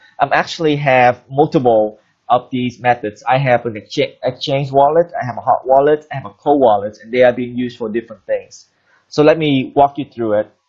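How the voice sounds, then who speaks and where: This man has a normal speaking voice at medium pitch. His intonation is fairly even and his pace fairly quick. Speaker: crypto video host. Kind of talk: tutorial.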